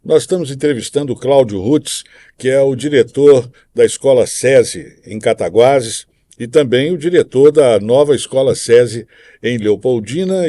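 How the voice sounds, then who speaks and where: A man's voice: mid-range voice, mellow. A man with a Brazilian accent hosting a live podcast, interviewing and making announcements.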